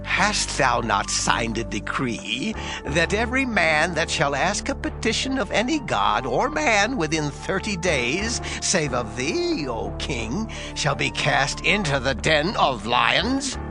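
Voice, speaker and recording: A man's voice: a little high, big pitch swings, slow, hardly any pauses, over music, heavily acted. A man playing a cunning court accuser, formal and pointed, in a dramatized scripture reading. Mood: cunning, pressing. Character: cunning male court accuser of an ancient kingdom.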